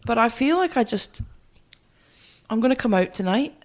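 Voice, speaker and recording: A woman's voice: a little high, lively intonation, moderate pace. A woman co-hosting a music podcast, chatting casually and giving opinions emphatically in short phrases.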